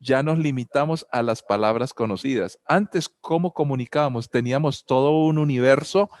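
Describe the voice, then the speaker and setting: A slightly mellow, mid-range male voice with a Colombian accent moves at a moderate pace. The talk is reflective, centered on family and spirituality, and peppered with rhetorical questions and personal stories.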